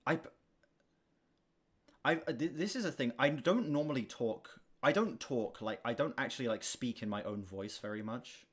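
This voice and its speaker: A young adult man livestreams, chatting casually and candidly with his audience and swearing now and then. His mid-range voice moves at a normal speed, projected for streaming yet monotone, as he describes it himself. Background noise is clear, with keyboard typing and clicks.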